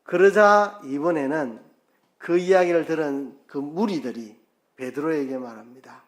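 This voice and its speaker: A male pastor preaches in a church sanctuary with a slightly high voice. He tells the story vividly and acts out the characters' lines. His voice jumps loud and falls to a near murmur. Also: a little slow. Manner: storytelling with acted-out quotes, swinging loud and soft. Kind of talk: sermon.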